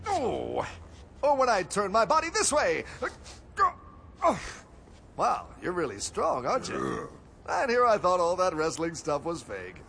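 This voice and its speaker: A man's voice: sits high, huge pitch swings, measured pace, creaky, bright, forceful tone, slight background noise, heavily acted. An actor playing a pompous, self-assured male superhero who talks in an over-articulate way. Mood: heroic bluster. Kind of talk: comedy audio drama.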